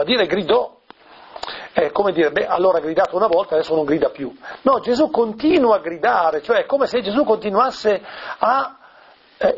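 A man's voice: high-pitched, husky. A man, a priest, explaining a scripture passage in a teaching talk, asking rhetorical questions and tagging lines with "eh?". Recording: dull lo-fi recording.

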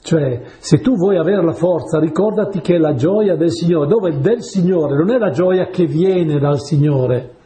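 A man's voice: a little high, expressive, unhurried, hardly any pauses, mellow, roomy sound. A man preaching a sermon in a chatty way, telling stories and often asking his listeners whether they follow. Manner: chatty, asks the audience "capite?".

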